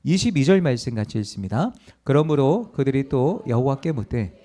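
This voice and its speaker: Speaking a little fast at medium pitch, a middle-aged pastor delivers a sermon in a church sanctuary. He brings his stories to life by performing the quoted voices of their characters.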